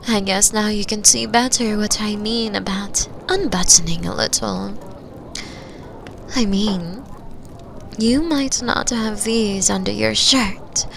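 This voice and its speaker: A woman playing a flirtatious, confident mature bar patron in an intimate roleplay, teasing and breathy, often dropping toward a whisper. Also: on the high side, fairly bright tone, slight background noise, exaggerated voice. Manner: slow, sultry, breathy, drops into near-whispers. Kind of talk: binaural roleplay audio drama, intimate second-person acting.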